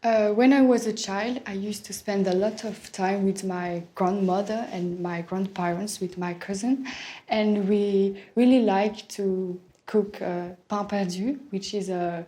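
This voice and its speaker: Slow, mellow young woman, hesitant. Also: mid-range voice, fairly even intonation. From Belgium. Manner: hesitant, searching for words, non-native phrasing. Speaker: English speaking test candidate. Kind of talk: answering exam questions in simple sentences.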